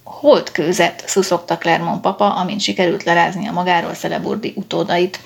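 A woman's voice: on the low side, flat delivery, creaky, slightly rough. A woman narrating a story in an audiobook reading, telling it steadily and expressively.

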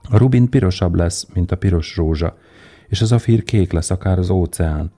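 A man voicing a small, kind-hearted male swallow in a read fairy tale, speaking in a pleading, gently emotional way. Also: sits low. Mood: tender, yearning.

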